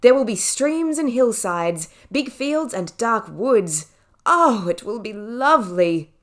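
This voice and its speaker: A woman voicing eager, excited young children from a storybook, bubbly and exclaiming. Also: fairly high pitch, slow pace, pitched above the performer's own voice. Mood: dreamy excitement.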